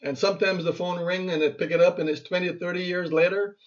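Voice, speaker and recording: A man's voice: high-pitched, steady tone, quick pace. A Barbadian man in his fifties giving an earnest motivational talk as a speaker and radio host, urging listeners and repeating himself for emphasis. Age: 50s. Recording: muffled lo-fi recording.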